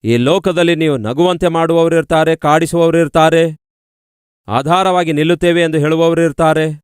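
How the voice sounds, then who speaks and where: Man preaching a devotional sermon, smooth clear voice, emphatic, repetitive, addresses listeners, dry close sound. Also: fairly high pitch, fairly even intonation, moderate pace, no room sound. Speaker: pastor.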